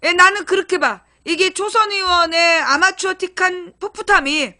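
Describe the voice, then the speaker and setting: Speaking to her live-stream audience in a very high voice, a woman chats casually but bluntly, using crude wording. Her tone is bright and forceful at a moderate pace, and she launches into loud acted-out scenes to make her points.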